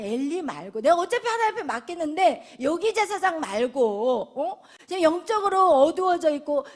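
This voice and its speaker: High-voiced woman pastor preaching animatedly. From South Korea. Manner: animated preaching, swings from loud to whispered lines; acts out quoted voices, asks the congregation questions. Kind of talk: sermon.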